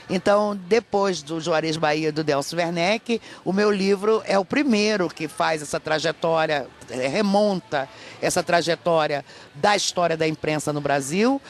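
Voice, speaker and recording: A middle-aged Brazilian woman, an academic guest giving emphatic, explanatory interview answers in Portuguese with rhetorical check-ins. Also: on the low side. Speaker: academic guest, professor and author. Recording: clear ambient background noise.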